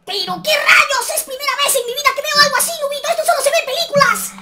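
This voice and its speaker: A man's voice: extremely high pitch, fast, heavy background noise. A man voicing a suspicious, teasing muscular buddy in an improvised game roleplay. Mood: astonished, wary.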